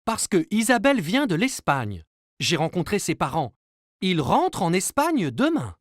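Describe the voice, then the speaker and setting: A woman's voice: fairly low pitch, wildly swooping pitch, moderate pace, no echo, studio quality. A woman playing a patient, reassuring cartoon mother who explains things to a young child.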